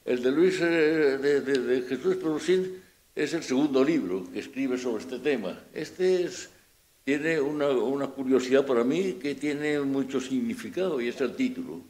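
A man's voice: medium pitch, lively intonation, normal speed, a little mellow. A man with a Peninsular Spanish accent speaking informally at a book presentation, hesitant and often restarting his words, with a critical, ironic edge. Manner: hesitant, repeats and restarts words, searching phrasing. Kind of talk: informal public talk.

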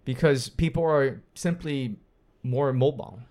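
A man's voice: medium pitch, darkish tone. Chatty man from Hong Kong. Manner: quick, chatty, greets viewers. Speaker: podcast guest and livestreamer. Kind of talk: casual podcast conversation.

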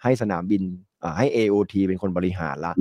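A man's voice: deep voice, fast talker, a little mellow, dry recording. A middle-aged man with a stuffy nose from a cold, chatting casually and rambling on a talk show. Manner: rambling, chatty, laughs often. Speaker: market analyst guest.

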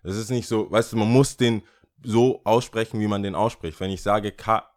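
A man's voice: on the low side, normal speed. Opinionated man in casual chat. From Ghana. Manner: opinionated, animated storytelling with acted-out quotes.

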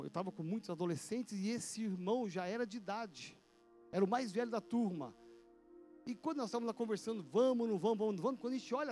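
A male pastor with a high-pitched voice tells a personal story during a sermon. His delivery is vivid and animated, complete with sound effects.

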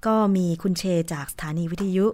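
A woman's voice: fairly quick, mellow. A woman hosting a radio program, talking to her listeners in a chatty, conversational way. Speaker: radio host. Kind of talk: casual radio talk.

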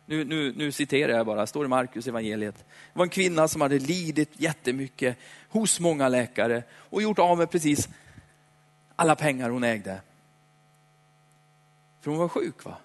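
Male preacher, conversational sermon, playful asides, dramatic slow emphasis, long hall reverb. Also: a little high, lively intonation. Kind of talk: lively sermon.

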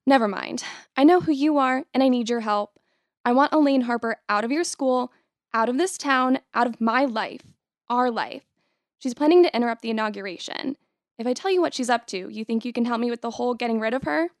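A woman plays a scheming fiancée in an audio drama. She is blunt and resentful, pressing her point in a fairly high voice with a very dry, close sound. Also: a little fast, dry recording, lightly acted. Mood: pushy, resentful.

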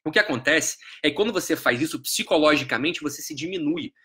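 A man's voice: fairly high pitch, animated, fast talker, pushed and bright. A man with a Brazilian Portuguese accent giving a live-stream psychology lecture, emphatic and profane, constantly checking whether the listener follows. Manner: emphatic and profane, keeps asking if you follow.

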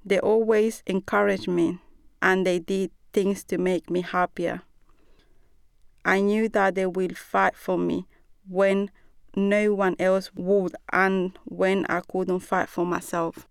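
A young woman from Bolivia with a Bolivian Spanish accent, reading her own personal story in a measured, plain way. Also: medium pitch, flat delivery, gravelly, clear, resonant tone, no room sound, clean studio sound. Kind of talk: scripted personal narration.

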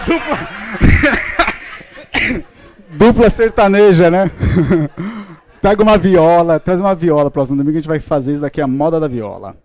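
Playful teacher, mellow voice. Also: male voice, a little high, moderate pace. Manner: playful, joking with the class. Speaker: Bible teacher. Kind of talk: classroom lecture. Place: classroom with a live audience.

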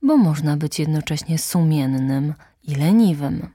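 A woman voicing a weary, dutiful male lamplighter who answers in flat, resigned replies. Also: deep voice, unhurried, husky, no room sound, clean studio sound, full character voice.

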